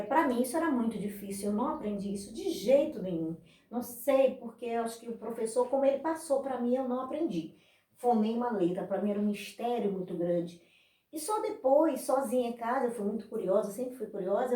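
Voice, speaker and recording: A woman's voice: fairly high pitch, darkish tone. A woman teaching a school class, explaining patiently and asking the class rhetorical questions. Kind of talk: recorded online class lesson. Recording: echoey room, voice from a distance.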